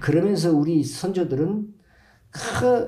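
A man with a dark, mellow tone speaks with very wide pitch swings. The background is quiet, though audible room echo comes through. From South Korea. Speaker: Buddhist monk. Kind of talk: interfaith dialogue. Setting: studio. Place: studio. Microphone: lapel.

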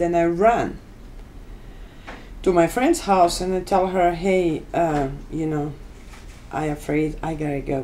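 A woman speaks in a fairly low voice with a Bosnian accent, at a fairly slow pace. Her speech has long, frequent pauses over light background noise. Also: ordinary pitch variation. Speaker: genocide survivor. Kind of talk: interview answer. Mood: earnest, animated recounting. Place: home room.

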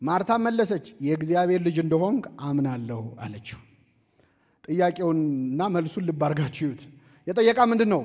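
Against a quiet background, a man talks at a fairly high pitch. His tone is animated, with lively intonation. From Ethiopia. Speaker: deacon preacher. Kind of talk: sermon. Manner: animated, questioning the audience. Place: hall.

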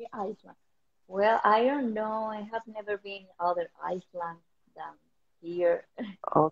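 A woman at a fairly slow pace, with long, frequent pauses and big swings in loudness. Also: ordinary pitch variation. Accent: Spanish. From Dominican Republic. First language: Spanish. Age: 20s. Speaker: beauty pageant winner; interviewee. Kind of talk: live-stream interview. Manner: halting. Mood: friendly, smiling. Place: home room. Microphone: video call.

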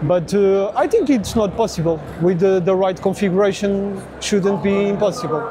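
A man with a Portuguese accent speaks at a high pitch and a moderate pace, with ordinary pitch variation, very even loudness and hardly any pauses. Noticeable background noise runs under the recording. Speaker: drone company representative. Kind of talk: trade show interview. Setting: trade show floor. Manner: halting. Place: hall. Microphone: phone near.

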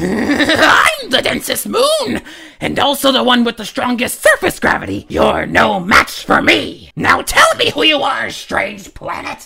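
At a fairly slow pace, the speaker delivers a put-on character voice. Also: hardly any pauses. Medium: dub. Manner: upbeat.

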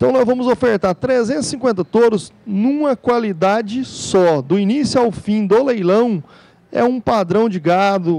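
A man with a dark, mellow tone speaks at a very slow pace in a high pitch, with ordinary pitch variation and very even loudness. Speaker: ranch company manager. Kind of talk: promotional interview. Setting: remote live link.

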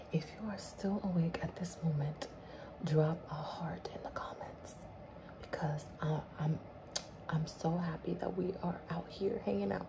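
Soft-spoken and gentle in tone, a woman talks at a fairly slow pace and a fairly low pitch over noticeable background noise. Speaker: vlogger. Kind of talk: casual vlog chat. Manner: soft-spoken, gentle ASMR voice. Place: home room. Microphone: phone near.

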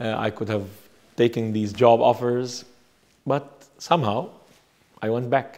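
In an Arabic accent, a man speaks at a fairly slow pace with a medium pitch and monotone, flat intonation. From Lebanon, Beirut; Lebanon. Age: 40s. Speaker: missionary; interviewee. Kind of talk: testimony. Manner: halting. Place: home room. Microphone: lapel.

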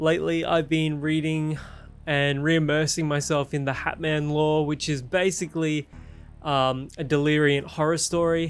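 With faint music in the background, a man in an Australian accent talks at a moderate pace, his fairly high voice monotone and flat. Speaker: horror story youtuber. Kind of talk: casual talk to camera. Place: home room.

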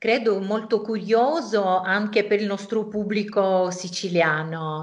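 Delivery is very slow, in a Russian accent with ordinary pitch variation. The background is quiet. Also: woman. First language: Russian (speaking Italian). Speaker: cultural association president; interviewer. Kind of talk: interview; interview question. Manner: halting. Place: home room. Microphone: video call.

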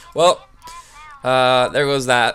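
Music can be heard in the background. The speaking pace is moderate. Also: man. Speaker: gaming commentator. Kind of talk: live gameplay commentary.

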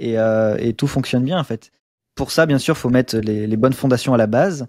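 Medium-pitched male voice, dark and mellow in tone, at a fairly quick pace with ordinary pitch variation, dry sound with no echo and a quiet background. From rural France. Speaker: online course entrepreneur; podcast guest. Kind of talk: casual interview. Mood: relaxed, reflective. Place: home room. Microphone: earbuds.

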